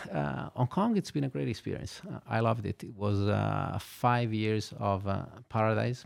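Lively intonation marks this man's speech in an Italian accent, his pitch fairly low. He keeps a moderate pace with hardly any pauses. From Italy (Genoa). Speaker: banking executive. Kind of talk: interview. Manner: hesitant, many filler words.

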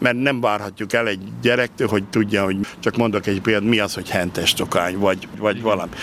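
There is noticeable background noise behind this man's fairly low-pitched voice. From Nógrád County, Hungary. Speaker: school cook. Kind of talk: radio interview. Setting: outdoors in a school courtyard.

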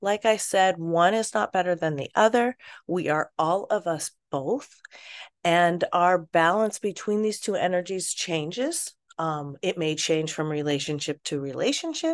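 In a normal speaking voice, a woman talks at a fairly low pitch and a fairly slow pace with ordinary pitch variation, the sound dry and close with no echo against a quiet background. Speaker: relationship coach. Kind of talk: group coaching session. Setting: video call meetup.

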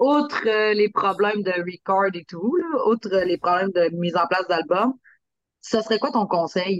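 Her pace is fairly slow, and this woman's pitch varies in an ordinary way. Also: medium pitch for a woman. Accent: Quebec. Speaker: podcast co-host. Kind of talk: interview.

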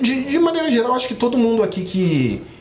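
A man's voice with ordinary pitch variation, amid noticeable background noise and audible room echo. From São Paulo city, Brazil. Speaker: pagode musician. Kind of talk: casual chat.

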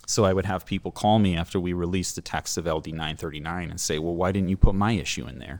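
With a very deep, low pitch and fairly even intonation, a man speaks fairly quickly in a very clean recording with a silent background. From Maine. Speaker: coffee and cannabis business owner, advocate. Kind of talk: casual chat.

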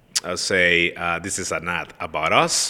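In a Salvadoran accent, a man speaks with a bright, sharp tone on a very clean recording with a silent background. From El Salvador. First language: Spanish. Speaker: entrepreneur. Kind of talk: casual chat. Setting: studio.

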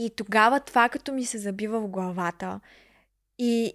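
An unremarkable speaking voice from a woman, fairly high in pitch, with ordinary pitch variation and a moderate pace, in a very clean recording with a silent background and a dry, close sound with no echo. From Bulgaria, Plovdiv. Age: 20s. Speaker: influencer. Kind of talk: casual chat.

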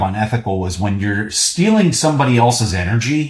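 Here is a man with an American accent and a medium pitch. His voice is somewhat breathy, and his intonation is lively. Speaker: podcast host and investor, former military pilot. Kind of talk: casual interview conversation.

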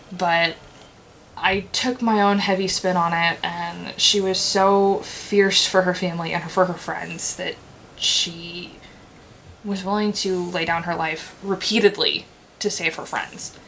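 With noticeable background noise behind her, a woman speaks at a fairly slow pace in a medium pitch with monotone, flat intonation. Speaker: tabletop gamer. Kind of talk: casual chat.

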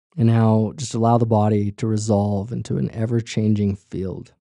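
With a dark, mellow tone and fairly low pitch, a man speaks at a moderate pace in a soothing tone. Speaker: meditation teacher. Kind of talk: guided meditation. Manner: soothing, reverent and instructional.

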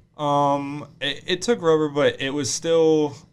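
A man speaks with an American accent. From Davenport, Iowa. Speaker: race car driver. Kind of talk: interview. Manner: halting.

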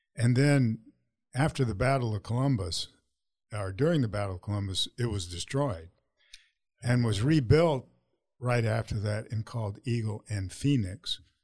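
Recorded very cleanly against a silent background, a man with a medium pitch talks at a moderate pace in a somewhat breathy voice, using ordinary pitch variation and long, frequent pauses. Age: 70s. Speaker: runner and race organizer. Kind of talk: casual interview. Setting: studio.

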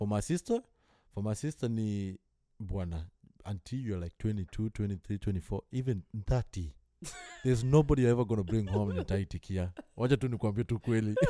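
A man's dark, mellow voice at a very fast pace, broken by long, frequent pauses. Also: fairly low pitch for a man, ordinary pitch variation, dry, close sound with no echo. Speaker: podcast co-host. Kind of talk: casual chat. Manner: loud.

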